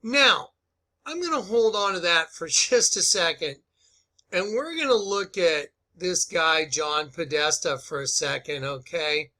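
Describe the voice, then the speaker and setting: A man's voice: fairly high pitch, lively intonation, a little slow, bright, forceful tone. A man hosting informal opinionated commentary, speaking in an emphatic, repetitive, accusatory way. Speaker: video host and commentator.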